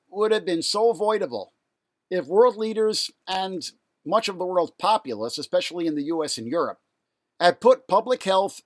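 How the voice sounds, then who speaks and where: A man hosts a solo rant from his apartment, his voice raspy and nasal because he is ill and congested. He sounds indignant and fed up, pitched a little high for a man, and the recording is close and dry with no room sound. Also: no echo. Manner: angry, indignant ranting. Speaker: podcast host. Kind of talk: solo ranting monologue. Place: home apartment.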